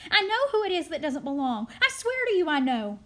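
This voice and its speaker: A desperate accused man, acted out by a woman reading a drama script. The voice is high-pitched and raised, pushing each plea hard and urgently throwing blame elsewhere. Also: very animated, fairly quick. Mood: desperate pleading. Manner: loud, insistent, emphatic pleading.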